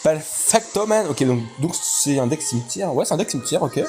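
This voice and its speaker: High-voiced, excitable male game streamer. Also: moderate pace, over music. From Congo. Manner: excitable, repetitive, crude joking slang. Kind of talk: live gameplay commentary with casual slangy chat.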